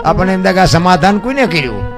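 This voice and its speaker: A man with a Gujarati accent performing folk storytelling on stage, breaking into loud rhythmic rhymed recitation. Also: high-pitched, big pitch swings, fast talker. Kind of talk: Gujarati lok dayro storytelling. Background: music.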